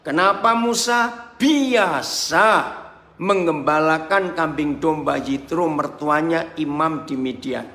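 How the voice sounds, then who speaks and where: A male pastor preaching a sermon over a video call, dramatic, swinging between shouts and quiet asides and asking his listeners rhetorical questions. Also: a little high, slow pace, roomy sound. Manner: asks the congregation rhetorical questions.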